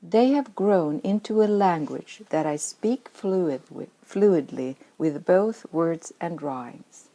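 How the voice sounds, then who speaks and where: A woman's voice: low voice, mellow. A middle-aged Swedish woman with a Swedish accent, whose first language is Swedish, reading her own spiritual memoir in an earnest, reflective way. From Sweden. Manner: earnest, reflective, at times dropping to a whisper.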